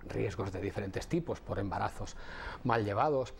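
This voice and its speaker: A middle-aged man from Catalonia, a guest audiologist on a TV talk show, explaining things in a measured way with some hesitant restarts. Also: on the low side, expressive, creaky, slight background noise. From Catalonia, Spain. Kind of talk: TV interview.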